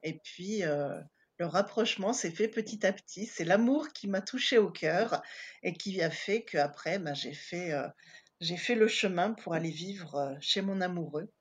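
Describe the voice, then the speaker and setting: A woman's voice: lowish voice, unhurried, breathy edge. A woman in her fifties from Paris, chatting casually as an interview guest, with many hesitant fillers. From Paris, France. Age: 50s.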